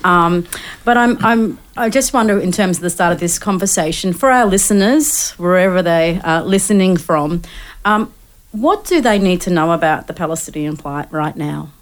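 A woman's voice: lowish voice, normal speed. An Australian woman hosting a talk radio show, speaking in an easygoing way with frequent ums. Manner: relaxed, hesitant with many ums.

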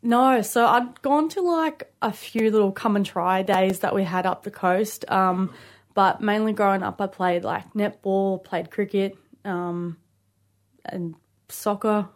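A woman's voice: mid-range voice, a little slow. A woman in her late twenties with an Aboriginal Australian English accent, talking casually and informally as an interview guest, often dropping in "like" and "you know". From Queensland, Australia. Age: late 20s. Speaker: studio guest, rugby league player.

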